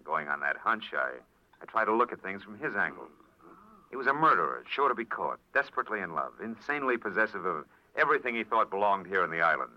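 Wry hard-boiled detective, really low voice, old muffled radio show. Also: male voice, very animated. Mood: explaining, wry. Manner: wry, terse, measured delivery. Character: hard-boiled private detective, adult man, wry, world-weary, reflective. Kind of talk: 1940s radio detective drama acting and narration. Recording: muffled vintage radio recording, faint music.

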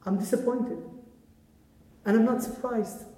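A young adult man with an Israeli Arab accent, an Arabic speaker giving a public speech full of animated storytelling in a large hall. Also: extremely high pitch, measured pace. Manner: animated storyteller, acts out quoted voices. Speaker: speaker at a community event. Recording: echoey hall with long reverb.

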